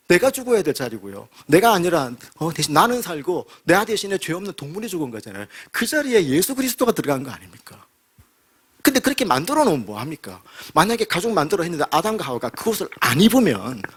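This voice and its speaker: A male pastor preaching in a church with a slightly husky voice, pitched a touch high. His delivery is lively and dramatic, full of rhetorical questions. He swings between near-whispers and loud, urgent lines. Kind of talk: sermon. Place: church sanctuary.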